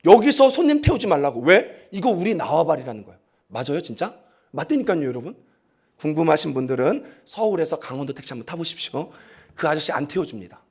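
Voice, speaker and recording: Animated high-voiced man preaching. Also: fast talker, husky. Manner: animated storytelling, acts out quoted voices; talks straight to the congregation, asks them to repeat. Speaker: pastor. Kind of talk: sermon.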